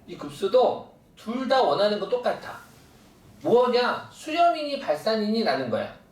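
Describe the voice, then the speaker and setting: An animated man with an extremely high pitch and very wide pitch swings speaks at a fairly slow pace amid noticeable background noise and audible room echo. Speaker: math teacher. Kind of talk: lecture.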